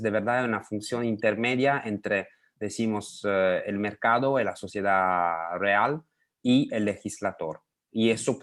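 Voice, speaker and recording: A man from Italy with an Italian accent, speaking Spanish as a second language in a video call interview, pausing often with fillers. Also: on the low side. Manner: hesitant, many pauses and fillers. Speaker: interview guest, lobbying association head.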